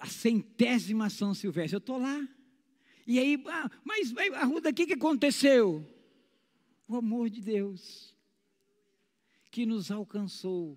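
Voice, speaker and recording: A man's extremely high-pitched voice with lively intonation, a very slow pace and long, frequent pauses. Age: 60s. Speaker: guest preacher. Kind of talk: sermon.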